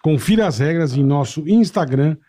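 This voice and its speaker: A man with a husky, fairly high voice co-hosts a talk show. He chats casually and reads promotional spots in an informal way. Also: lively intonation, moderate pace, warm tone. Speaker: talk show co-host reading sponsor spots. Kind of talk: casual banter and promotional ad reading.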